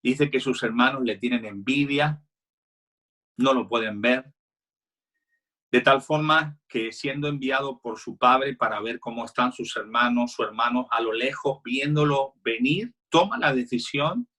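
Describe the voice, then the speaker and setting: Husky-voiced male pastor preaching. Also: medium pitch, unhurried, pushed and bright. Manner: earnest preaching, retelling Bible scenes with quoted dialogue. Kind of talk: sermon.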